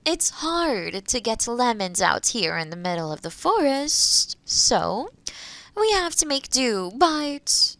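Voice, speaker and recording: A woman playing a kind, gently teasing forest witch in an intimate audio roleplay, speaking softly and thoughtfully with hums and pauses. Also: fairly high pitch, sing-song, dry recording, full character voice. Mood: warm, hospitable.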